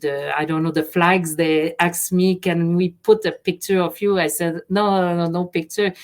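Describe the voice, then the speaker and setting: A woman with a Quebec accent, fairly low-pitched, with fairly even intonation and a fairly slow pace, on a very clean recording with a silent background. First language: French. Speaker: lawyer. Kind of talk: interview. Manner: halting.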